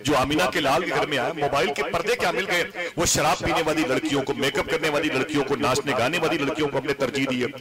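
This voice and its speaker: A man preaching a religious sermon to a live gathering, telling stories dramatically and rising to impassioned high cries as he calls on listeners to respond. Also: fast, few pauses, over a noisy crowd. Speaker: Islamic preacher.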